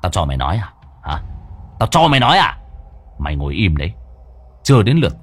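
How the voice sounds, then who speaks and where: A man's voice: low voice, animated, fairly quick, fairly bright tone. A man voicing a fearless young exorcist who barks orders and interrogates spirits. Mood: stern command. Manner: harsh, commanding, interrogating. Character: stern young male exorcist, commanding, fearless.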